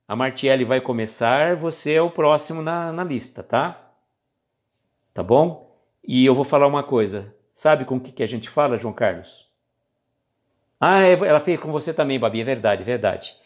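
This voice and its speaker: A Brazilian man hosts a spiritual livestream in an informal, chatty way. His voice sits at a medium male pitch. He talks directly to the people watching, as in a casual conversation. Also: expressive, normal speed, dull audio. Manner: informal, chatty, addresses viewers by name.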